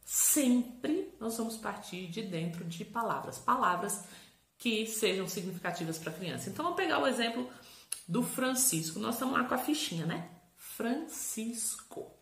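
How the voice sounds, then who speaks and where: A woman psychopedagogue explaining in a lively, teacherly way, slowly drawing out and spelling syllables. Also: mid-range voice. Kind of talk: educational explainer video. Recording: roomy echo.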